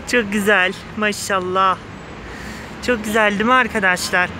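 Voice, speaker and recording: A man's voice: high voice, fairly even intonation, normal speed. A man speaking through a face mask, slightly muffled, giving an enthusiastic, gushing casual vlog commentary to viewers. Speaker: vlogger. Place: outdoors on a street pavement outside a flower shop. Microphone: handheld phone behind the camera. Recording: street noise with passing cars. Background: cars, outdoor urban ambience.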